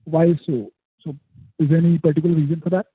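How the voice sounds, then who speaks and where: Indian man, analyst caller, high husky voice, hesitant questioning, narrowband phone audio. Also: flat delivery, quick pace. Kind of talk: earnings call questioning. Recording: dry, tinny narrowband phone line.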